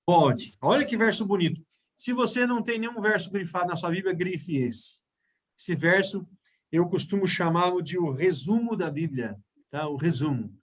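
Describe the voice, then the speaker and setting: A man's voice: high-pitched, expressive, moderate pace. A man with a Brazilian Portuguese accent teaching a Bible study, explaining step by step and often checking in with his listeners.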